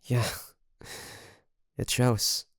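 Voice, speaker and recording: A man's voice: no room sound, clean studio sound. A man playing a nervous, caring young best friend in an intimate audio roleplay, speaking hesitantly and straight to the listener. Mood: caring, teasing. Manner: hesitant, halting, soft nervous chuckles. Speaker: voice actor.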